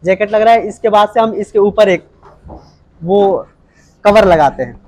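A man's voice: high voice, measured pace, a little mellow, poor audio. A young man guiding a reporter through a printing factory, explaining each step plainly with restarts and fillers, on a handheld mic. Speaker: factory guide at a printing press. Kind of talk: explaining a production process on a walkthrough. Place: large indoor factory floor with running machines. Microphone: handheld mic held by the interviewer.

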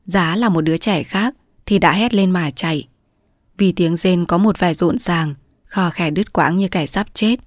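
A woman reading a short story aloud in a measured, even storytelling voice. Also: on the low side, no room sound, studio quality. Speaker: story narrator. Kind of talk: audiobook narration.

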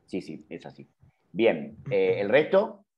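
Over a video call's dull, lo-fi audio from a computer mic, a middle-aged Argentine-accented man teaches journalism online. His low voice swings hugely in pitch at a slow pace, and he explains patiently, often saying "eh" and correcting himself.

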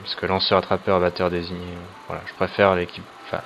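A man with a fairly low voice gives casual let's play commentary. He reads the game's choices aloud, then hesitates and pauses over his own choices, dropping in little jokes. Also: completely flat delivery, vocal fry, lo-fi sound, slight background noise. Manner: reads on-screen options aloud, hesitant with many fillers, joking asides.

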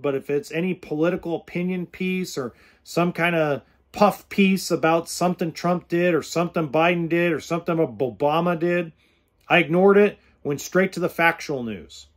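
A man in his forties hosts his podcast in a blunt, earnest, plain-spoken manner. His voice sits a little high for a man, and he speaks close into a studio mic in an indoor room. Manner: blunt, earnest straight talk with hand gestures. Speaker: podcast host. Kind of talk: casual direct-to-camera talk. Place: indoors in an RV or home kitchen. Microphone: studio mic with pop filter close in front.

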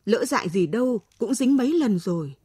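Give me a woman voicing a bitter, defiant young student from an audio story. Her voice is high, sharp and rising. It is husky and dry. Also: expressive, fairly quick, no room sound.

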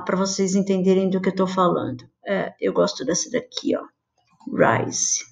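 A middle-aged woman walks through a screen-share lesson in a loose, chatty way, filling pauses with little asides. Her voice sits at an ordinary pitch for a woman. The webcam audio sounds a bit dull and lo-fi. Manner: chatty, many fillers and pet phrases. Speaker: design instructor. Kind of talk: casual screen-share tutorial. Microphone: webcam video call.

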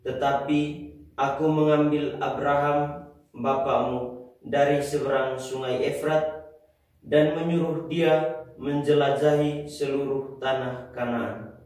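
A young male lector reads scripture slowly and evenly, his fairly high voice barely rising or falling. He is picked up from far off, and the small chapel's strong echo hangs on every phrase. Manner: slow, even reading voice. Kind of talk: reading scripture aloud.

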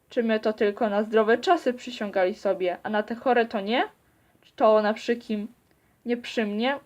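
Woman reading a book aloud haltingly. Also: medium pitch, a little mellow. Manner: halting reading with frequent slips and restarts. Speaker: reader of a novel. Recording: dull lo-fi recording.

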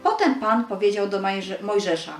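A woman's voice: medium pitch, lively intonation, normal speed, roomy sound. A woman giving a scripted narration of a Bible story for children.

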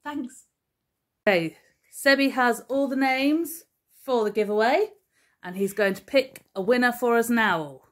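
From the sofa in her living room, a woman in her thirties chats to camera as a crafting vlogger, the camera at table distance. Her voice is a little high and her pace measured, though she rambles with plenty of ums and restarts.

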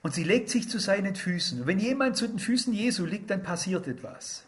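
An older man preaching a sermon, retelling a story and quoting scripture with animated, dramatic delivery. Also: sits high, brisk.

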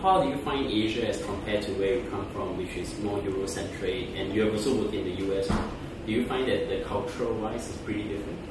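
A low-pitched man hosts a business podcast interview, putting direct questions to his guest in an easy conversational way. He sits back from the mic, so his voice comes through a roomy, echoey office space. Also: fairly quick, far from the mic, heavy background noise. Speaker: podcast host. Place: office meeting room.

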